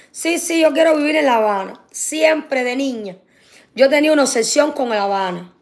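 Over a quiet background, a woman talks at a very fast pace in a high voice with lively intonation. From Cuba, Santa Clara. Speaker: religious leader and spiritual medium. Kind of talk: live stream talk to followers. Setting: live stream. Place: home room. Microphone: phone near.

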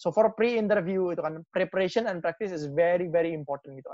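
A man's high-pitched voice at a very fast pace, ordinary pitch variation, dry sound with no echo, quiet background. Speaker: corporate department head sharing career advice; presenter. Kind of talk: career seminar talk. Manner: hesitant, many fillers. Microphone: video call.

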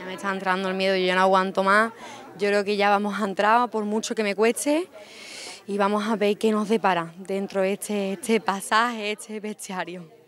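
A woman speaks at a moderate pace with fairly even intonation, with light background noise and a dry sound with no echo. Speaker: TV reporter. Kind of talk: news reporting. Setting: outdoors on location. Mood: playfully scared. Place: street. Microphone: handheld.

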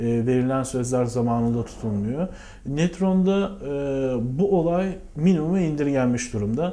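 A man with a medium pitch, a dark, mellow tone and lively intonation at a fairly slow pace, with audible room echo. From Istanbul, Turkey. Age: 30s. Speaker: hospital network administrator. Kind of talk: customer testimonial. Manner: many filler hesitations.

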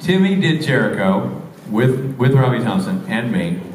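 There is light background noise and audible room echo. A man speaks with lively intonation. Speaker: guest. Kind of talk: stage storytelling to audience. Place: stage. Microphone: pa.

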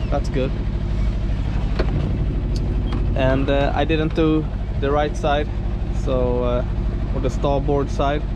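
A man speaking at a very slow pace over loud background noise. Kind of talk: casual vlog chat. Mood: relieved, relaxed. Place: boat. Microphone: camera far.

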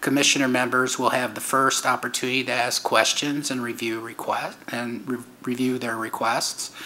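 A man at a fairly quick pace in a monotone, flat intonation, with light background noise. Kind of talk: formal meeting procedure reading. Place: hall.

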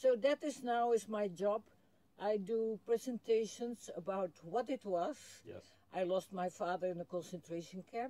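A woman's dark, mellow tone at a moderate pace, with ordinary pitch variation. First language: not English. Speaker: solar cooking educator. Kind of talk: casual interview. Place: garden. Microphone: phone near.

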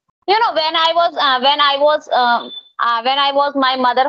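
With an Indian accent, a woman speaks fairly slowly at a high pitch, her pitch varying in an ordinary way against a quiet background. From Delhi, India. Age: 20s. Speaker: housewife and English learner. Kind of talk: casual English practice conversation. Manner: halting. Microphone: video call.

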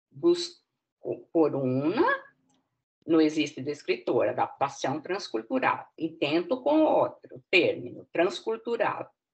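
The background stays quiet. A woman talks very slowly. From Brazil. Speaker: librarian trainer. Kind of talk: online training presentation. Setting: video call. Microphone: video call.

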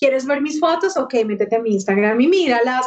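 A woman talks at a moderate pace in a high pitch. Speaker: remote interview guest. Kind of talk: interview answer. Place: home room. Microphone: video call.

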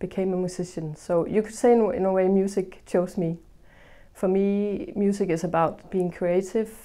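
In a Danish accent, a woman with a dark, mellow tone speaks at a moderate pace with ordinary pitch variation. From Denmark (Aarhus). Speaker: musician. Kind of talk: interview. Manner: hesitant, with fillers. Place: home room.

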